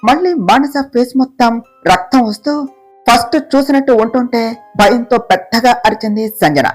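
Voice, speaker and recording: A woman's voice: a little high, lively intonation, normal speed. Woman narrating a dramatic family story. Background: faint guitar music.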